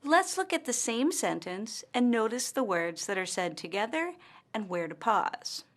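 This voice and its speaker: A woman narrating a scripted language lesson, speaking slowly and carefully with clearly marked stress and pauses. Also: on the high side, big pitch swings. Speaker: language teacher.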